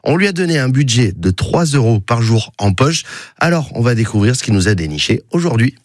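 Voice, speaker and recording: A man's voice: mid-range voice, very animated, a little fast, no room sound. A man hosting a local morning radio show, introducing segments in an upbeat tone with a few hesitations. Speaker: radio host.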